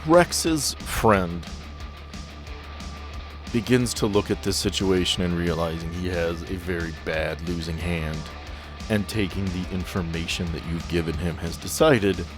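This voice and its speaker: A man's voice: deep voice, a little slow, music in the background. A man game-mastering, moving between improvised scene narration and casual chat.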